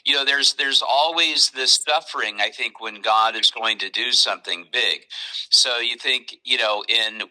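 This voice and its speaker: A man's voice: mid-range voice, moderate pace, pushed and bright, poor audio. A man talking as a guest in a casual phone conversation, explaining things in a loose, discursive way.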